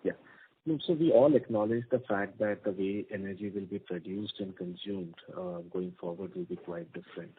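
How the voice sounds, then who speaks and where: A man, an investment analyst putting formal questions on an earnings call in a deliberate way. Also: lowish voice, slight background noise. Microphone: telephone. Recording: muffled narrowband phone line.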